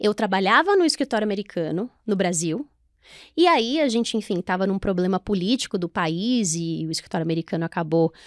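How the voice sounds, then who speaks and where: A woman speaks at a fairly quick pace in a dry, close recording with no echo, very clean against a silent background. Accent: slight Brazilian. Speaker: lawyer. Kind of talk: podcast interview.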